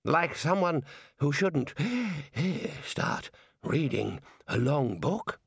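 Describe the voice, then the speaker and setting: A man voicing a frail, muddled old wizard with a wheezy, halting, quavering delivery in a fantasy storybook reading. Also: on the high side, very animated, no echo, voice pushed up, exaggerated voice. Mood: panting, strained.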